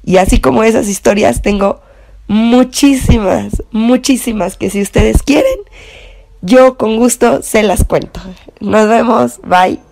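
A woman's voice: fairly high pitch, unhurried, gravelly, a little mellow. A woman with a Mexican Spanish accent casually telling a personal ghost story, rambling with fillers and restarts. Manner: chatty, full of fillers and restarts.

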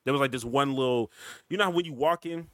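A man's voice: medium pitch, quick pace, a bit bright, no room sound, studio quality. A young man hosting a podcast, chatting casually and laughing often as he tells stories. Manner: laughs a lot, loose and playful. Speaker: podcast host. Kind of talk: casual chat.

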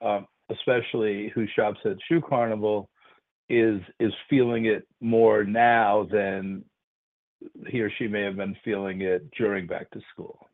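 A man asking questions as a financial analyst on an earnings call, in a halting, roundabout way. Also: fairly low pitch, steady tone. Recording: dull band-limited phone line.

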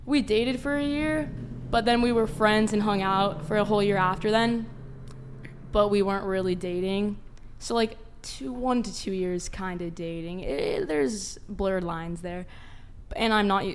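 A woman's voice: medium pitch, normal speed, a little hiss or hum. A nineteen-year-old woman chatting casually as a panel guest, youthful and informal, often saying "like". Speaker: panel guest, college student. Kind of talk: casual chat.

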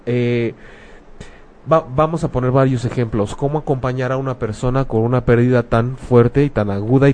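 A man's voice: medium pitch, a little mellow. Frank Mexican man, casual talk. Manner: colloquial, frank, uses rhetorical questions and slang. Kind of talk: casual talk about grief.

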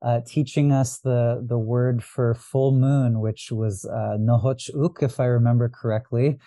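A man's voice: mid-range voice, steady tone, measured pace, mellow, no room sound. A man from Los Angeles, a guest on an astrology podcast, talking in a casual, reflective way with many restarts. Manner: reflective, rambling, frequent restarts and fillers. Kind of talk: casual conversational interview.

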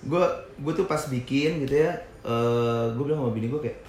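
A man's voice: medium pitch, moderate pace, a little mellow, roomy sound. A man in his thirties telling stories about his restaurant business in a casual, slangy interview, laughing often and dropping English phrases. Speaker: restaurant founder guest.

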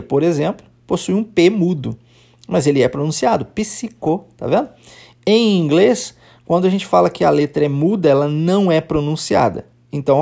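A man's voice: a little high, vocal fry, warm tone. A man with a Brazilian Portuguese accent, teaching English on a lesson podcast, explaining patiently and drilling phrases aloud.

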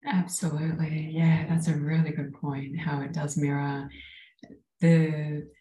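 A woman with a notably low, mellow voice hosts a podcast conversation and poses thoughtful, supportive questions. Her voice carries a roomy echo, with a faint hum of ambience behind it. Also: little pitch movement, a little slow. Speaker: podcast host. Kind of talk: conversational interview. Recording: echoey room recording.

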